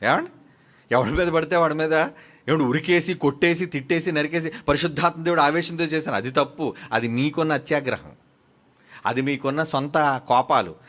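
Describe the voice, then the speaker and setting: A man preaching a sermon who swings between soft and loud, fires off rhetorical questions, and reads scripture slowly and emphatically. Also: on the high side.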